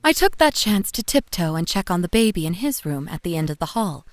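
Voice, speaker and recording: A woman playing a weary, devoted young mother, telling a first-person horror story in an intimate, expressive way. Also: fairly low pitch, a little fast, no room sound. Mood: tender, uneasy. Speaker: narrator of a horror audio drama. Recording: voice over music bed. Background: music.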